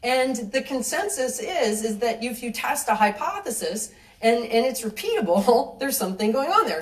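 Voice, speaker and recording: Animated woman lecturing in a roomy hall. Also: on the high side. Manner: animated, chatty, acts out little quoted exchanges; laughs lightly mid-sentence. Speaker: speaker giving a talk to an audience. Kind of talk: live lecture with audience questions. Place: cinema venue with an audience. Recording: roomy hall sound from a distant mic.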